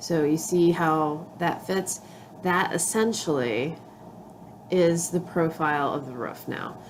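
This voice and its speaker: Fairly low-pitched female voice at a very slow pace, with ordinary pitch variation and audible room echo. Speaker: scrapbooking crafter. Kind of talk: tutorial. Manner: halting.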